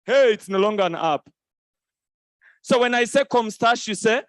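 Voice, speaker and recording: A man hosting a live event on stage, playful and quick to laugh as he teases the crowd into repeating greetings. His voice sits high for a man. The sound is dry and close, with little room echo. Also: animated. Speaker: event host. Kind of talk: lively crowd interaction. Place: conference hall stage.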